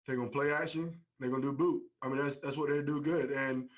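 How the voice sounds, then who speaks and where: A man's voice: mid-range voice, steady tone, quick pace. A man giving a casual, colloquial interview answer, repeating his phrases.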